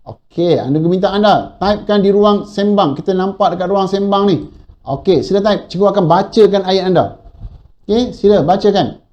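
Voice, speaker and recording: A man's voice: sits high, moderate pace, a little mellow, dull audio. A man with a Malaysian accent teaching a primary school class online, encouraging the pupils and often repeating his praise.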